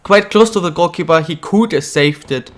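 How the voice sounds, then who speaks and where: Young guy a bit sick, voice a little off, higher pitched, rambling over his football game and yelling at goals. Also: moderate pace. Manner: chatty, excitable at goals. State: slightly ill, voice a bit off. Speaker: gaming channel host. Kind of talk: casual gameplay commentary.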